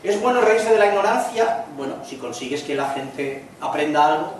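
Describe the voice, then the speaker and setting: Spanish-accented male lecturer, joking and chatty, voice a little high, recorded from far off in an echoey room. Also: expressive, a little hiss or hum. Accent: Spanish (Spain). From Spain. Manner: chatty, tells jokes with quick acted lines. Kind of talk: lecture with jokes.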